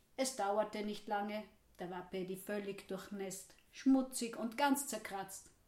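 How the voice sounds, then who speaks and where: A woman talks at a very slow pace in a medium pitch. Her pitch varies in an ordinary way. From Upper Austria. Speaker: storyteller. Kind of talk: storytelling, ghost story told aloud. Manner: suspenseful, hushed, dramatic pacing.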